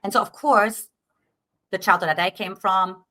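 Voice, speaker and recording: Bright-voiced German-accented woman coach. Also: mid-range voice, normal speed. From Eastern Germany. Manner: earnest, explanatory, frequent "right?" tags. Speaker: dating coach guest. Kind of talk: interview, coaching talk.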